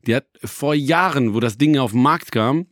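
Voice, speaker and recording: A man's voice: mid-range voice, normal speed, dry recording, clean studio sound. A man in his thirties chatting casually, rambling with many fillers, restarts and joking asides. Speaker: hip-hop journalist. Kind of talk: casual chat.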